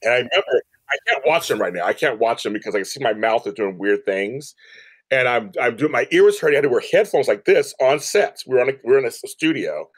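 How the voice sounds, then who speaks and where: Middle-aged man, podcast guest, highly animated pitch, talkative storyteller, dry close sound. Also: fast, dry recording. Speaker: podcast guest, media company CEO.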